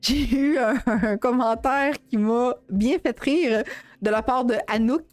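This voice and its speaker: A woman's voice: fairly high pitch, unhurried. A woman with a Québécois accent, hosting a dog-behavior show in a casual, chatty way, with lots of hesitations and self-corrections. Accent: Québécois French. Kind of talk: casual live-show talk to viewers.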